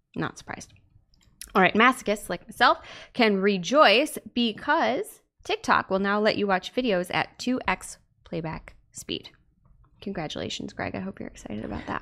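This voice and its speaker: A woman's bright, sharp voice with vocal fry, lively intonation and big swings in loudness. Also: medium pitch for a woman, moderate pace, very clean recording, silent background. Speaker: podcast host. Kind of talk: casual chat.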